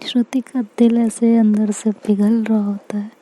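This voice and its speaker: A woman narrating a serialized love story in a soft, intimate way, sometimes close to a whisper. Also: fairly high pitch, flat delivery, measured pace, poor audio.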